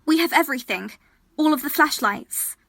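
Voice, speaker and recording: A woman's voice: high voice, expressive, moderate pace, bright, forceful tone, dry recording, full character voice. A woman playing a keyed-up young female adventurer in an audio drama, emphatic and exclamatory. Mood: eager.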